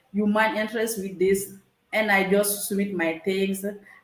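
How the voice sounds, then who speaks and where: Audible room echo around a woman talking at a fairly slow pace. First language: French. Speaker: agribusiness founder. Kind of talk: interview. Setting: live stream.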